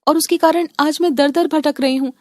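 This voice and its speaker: A woman's voice: high-pitched, fairly even intonation, brisk, slight background noise, pitched above the performer's own voice, natural voice. Brief: remorseful young woman, woman voice, begging, pleading.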